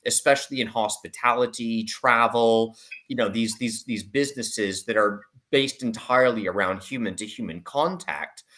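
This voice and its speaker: A man's voice: mid-range voice, moderate pace, a bit bright. A man speaking as an investment analyst in an interview, giving conversational commentary with repeated words and qualifying asides.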